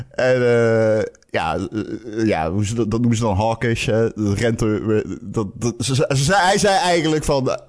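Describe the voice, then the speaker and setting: A man co-hosting a podcast in casual chat, talking animatedly with many restarts and laughs as he tells a story. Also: medium pitch. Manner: animated, stumbling restarts, laughs while telling. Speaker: podcast co-host.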